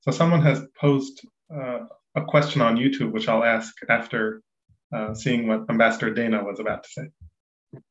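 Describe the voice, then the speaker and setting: A man from Ethiopia whose first language is Amharic, moderating an online panel in a measured way with many fillers. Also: mid-range voice, steady tone. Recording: dull, echoey room sound.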